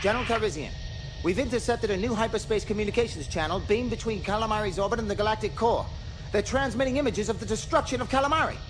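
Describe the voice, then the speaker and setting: Guy as keen starfleet officer, really high urgent voice, space battle radio play, score behind. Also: fast talker, over music, natural voice, low-quality recording. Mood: tense, dutiful. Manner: urgent, crisp military reporting. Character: eager, excitable young male military officer. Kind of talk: science fiction audio drama acting. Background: orchestral score.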